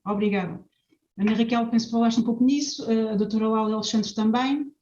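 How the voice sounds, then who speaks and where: A woman's voice: on the high side, a little fast, darkish tone. A woman moderating a webinar panel, reading audience comments aloud with hesitant restarts. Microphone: video call. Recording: echoey, slightly dull video call audio.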